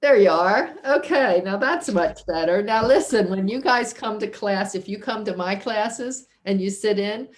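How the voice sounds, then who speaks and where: A woman's voice: medium pitch, lively intonation, measured pace, hardly any pauses. A woman instructor wrapping up an online class over a video call, chatty and apologetic, often laughing. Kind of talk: casual wrap-up of an online class. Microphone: computer mic on a video call.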